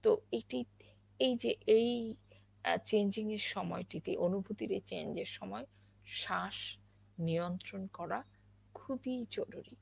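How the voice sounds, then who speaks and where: A woman giving a spoken lesson on poetry recitation, explaining slowly with many pauses and fillers. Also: medium pitch, creaky, a little mellow, slightly rough. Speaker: recitation teacher.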